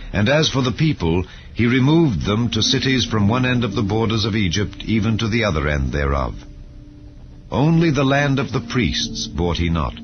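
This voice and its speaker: A man reading scripture as an audiobook narrator in a solemn, measured, deliberate way. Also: deep voice. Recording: dull lo-fi audio, music underneath. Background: background music.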